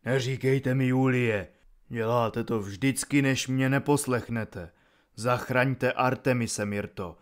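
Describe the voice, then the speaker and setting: A man's voice: fairly even intonation, close to an everyday voice. A man doing a wounded, grave old commander. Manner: low, slow, strained. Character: wounded gruff male commander, grave and steady.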